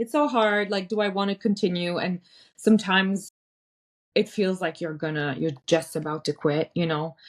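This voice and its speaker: A woman talks with a medium pitch and a moderate pace, recorded very cleanly against a silent background. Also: ordinary pitch variation. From Quebec, Montreal. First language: French. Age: 30s. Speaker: opera singer. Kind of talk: casual chat. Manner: animated.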